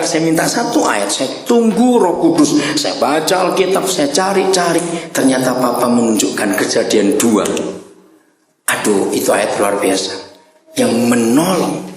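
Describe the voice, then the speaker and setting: A man preaching a humorous sermon, quizzing his congregation in an animated way. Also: medium pitch. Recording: echoey hall with long reverb.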